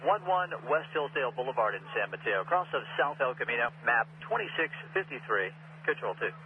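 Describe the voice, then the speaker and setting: A man's voice: mid-range voice, big pitch swings, brisk. A man working as an emergency dispatcher over two-way radio, giving clipped, procedural calls and repeating addresses. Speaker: fire and medical emergency dispatcher. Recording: muffled, noisy dispatch radio.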